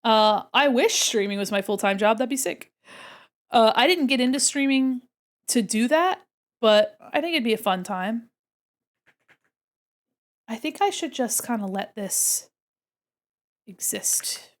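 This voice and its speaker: A woman's voice: a little high, animated, measured pace, pauses often. Congested woman chatting while she draws. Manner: chatty, answers chat questions, murmurs to herself while working. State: congested from a cold. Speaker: art streamer. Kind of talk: casual chat with viewers while drawing.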